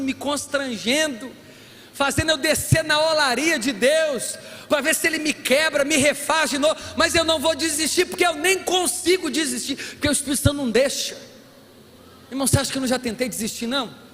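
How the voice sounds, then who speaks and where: A man preaching a sermon as a pastor, animated and humorous, acting out bits of dialogue. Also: very high-pitched, fairly quick. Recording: long hall reverb, faint room noise.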